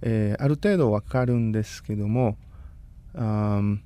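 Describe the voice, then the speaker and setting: Mellow-voiced man speaking a learned language. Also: on the low side. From Costa Rica. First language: Spanish. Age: 30s. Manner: polite, measured, pausing often to find words. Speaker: guest. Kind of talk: casual interview.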